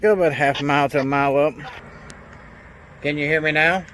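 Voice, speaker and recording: Folksy man with steady background noise. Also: a little high, brisk. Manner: folksy, plainspoken, colloquial grammar. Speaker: product reviewer, mechanic. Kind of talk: hands-on gadget review, casual chat.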